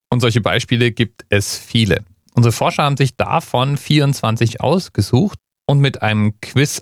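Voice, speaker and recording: Male host from Bavaria, lower voice, casual explainer delivery, dry. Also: dry recording. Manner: conversational, explanatory. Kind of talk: scripted explainer narration.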